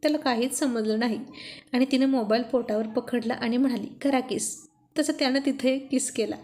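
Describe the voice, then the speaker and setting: A woman storyteller reading a romance story aloud in an intimate, unhurried way. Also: a little high, dark tone.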